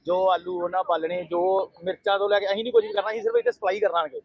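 A man's voice: sits high, fairly even intonation, racing, husky, no room sound, highs cut off. A man who runs a family food stall, speaking in an earnest, repetitive way in a casual interview. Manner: earnest, repeats himself.

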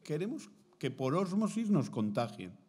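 A man's voice: on the high side, normal speed, husky. A man from Spain, a priest and theology lecturer, gives a formative talk to contemplative nuns, telling stories with acted quotes and checking in with the listeners. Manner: lively storytelling with acted quotes, frequent "¿mm?" check-ins. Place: seminary lecture hall.

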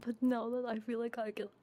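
A tearful woman chatting casually as a livestream host, flustered and apologetic, close to the microphone. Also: fairly high pitch. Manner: flustered, self-deprecating, apologetic, drifting into soft whispers. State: tearful, crying while laughing. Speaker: ASMR streamer and Vtuber host. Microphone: binaural ASMR microphone, close.

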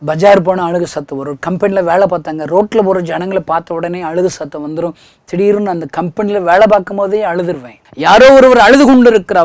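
High-voiced tamil village preacher guy, goes quiet then loud and pleading, dry close mic. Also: no echo. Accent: Tamil Nadu village Tamil. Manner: swings from hushed to loud impassioned pleading. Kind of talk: testimony sermon.

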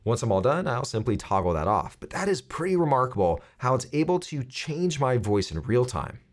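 A man in his thirties presenting a software tutorial, explaining things clearly step by step. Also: medium pitch, sing-song, fairly quick.

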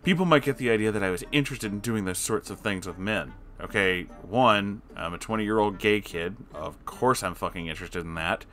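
A man's voice: fairly low pitch, fairly quick, hardly any pauses, fairly bright tone. A man reading an online story aloud, adding sarcastic asides of his own between passages. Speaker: story reader.

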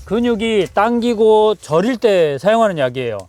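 A man, a herbal medicine professor, lively and teacherly, explaining herbs outdoors on a farm and quizzing the people with him. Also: high voice, moderate pace, a little hiss or hum.

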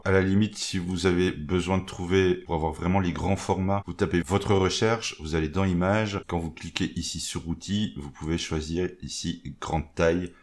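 A man talking through a software tutorial in a relaxed way, narrating each step as he goes with little interjections and stumbling over English terms. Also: low-pitched. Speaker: maker explaining a software tool. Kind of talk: screen-recorded tutorial.

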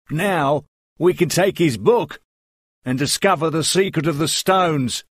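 A man reading a storybook aloud for English learners and voicing a smug, scheming male villain in a slow, sneering way. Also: on the high side, dry recording, studio quality, voice pushed up.

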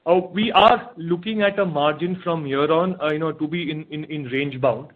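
A man with an Indian accent answering questions as an executive on an earnings call, speaking haltingly and repeating his phrases. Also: a little high. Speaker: company executive answering analysts. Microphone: telephone conference call. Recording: narrow, tinny phone conference line.

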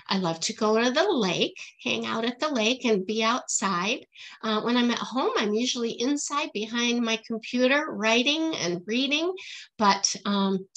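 A middle-aged woman talks casually as a guest author on a video call. Her voice sits slightly high and has a bright, forward tone. She explains herself in simple terms suited to young listeners. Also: poor audio. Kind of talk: casual question-and-answer chat for children. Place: small indoor room at home. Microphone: computer mic on a video call.

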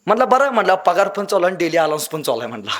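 A man's voice: high voice, very animated, very fast, fairly bright tone. Dramatic storytelling man. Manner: dramatic, acts out voices in anecdotes, emotional swings. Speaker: motivational speaker. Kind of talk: motivational speech with storytelling.

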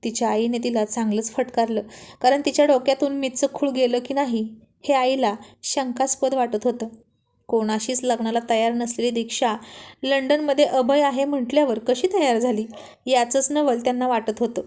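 A woman's voice: on the high side, steady tone, normal speed, warm tone. A woman reading a romance story aloud, voicing every character's lines in her own voice.

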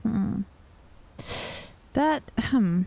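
Slow, musing female gamer. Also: on the high side, lively intonation, vocal fry, mellow. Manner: slow, musing, reacts aloud with murmurs. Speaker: gaming streamer. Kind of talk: casual let's-play commentary.

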